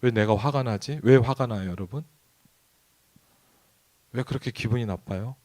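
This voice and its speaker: A man's voice: mid-range voice, normal speed, darkish tone. A man who is a pastor, preaching a midweek sermon in a conversational way and often asking the congregation questions. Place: church sanctuary.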